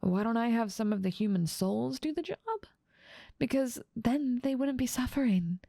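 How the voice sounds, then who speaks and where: A woman's voice: on the high side, moderate pace, vocal fry, warm tone, no room sound, clean studio sound. A woman playing a haughty, dominant demon lord who mocks and teases the listener in a scripted ASMR roleplay. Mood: teasing, amused. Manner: dominant, amused, mocking, theatrical. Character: haughty, teasing female demon lord ruling part of hell.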